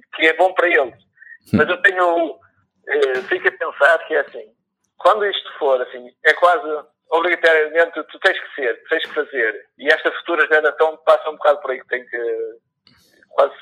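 The man's loudness swings a lot as he talks at a moderate pace. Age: 40s. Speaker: caller. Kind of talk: casual chat. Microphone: phone held to studio microphone.

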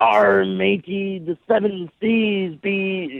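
At a very slow pace, a put-on character voice holds a middle pitch. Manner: playful.

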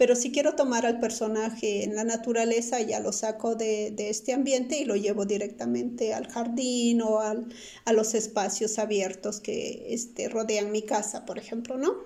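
The voice is dark and mellow, with fairly even intonation at a moderate pace. It runs with hardly any pauses amid audible room echo. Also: woman, fairly high pitch for a woman. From Peru. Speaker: Spanish teacher and photographer. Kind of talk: casual interview.

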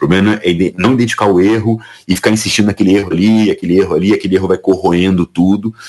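A man's fairly low voice at a very fast pace, monotone and flat, with very even loudness. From Rio de Janeiro, Brazil. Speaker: crowdfunding platform executive. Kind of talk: interview.

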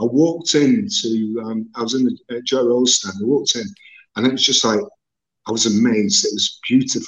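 This man's pitch is medium and varies in an ordinary way. His pace is fairly quick. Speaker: caller, Oldham fan. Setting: phone call. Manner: enthusiastic, rambling.

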